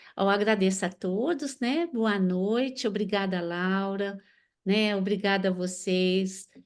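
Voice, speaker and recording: At a very slow pace and with a Minas Gerais accent, the speaker keeps very even loudness and ordinary pitch variation against a quiet background. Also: woman, medium pitch for a woman. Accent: Minas Gerais (mineiro) Brazilian Portuguese. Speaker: psychoanalyst, event host. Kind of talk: panel discussion closing remarks. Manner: hesitant, frequent fillers.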